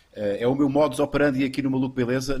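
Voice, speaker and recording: A somewhat breathy man speaks at a medium pitch. His very fast delivery has monotone, flat intonation. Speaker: podcast host. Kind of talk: casual chat.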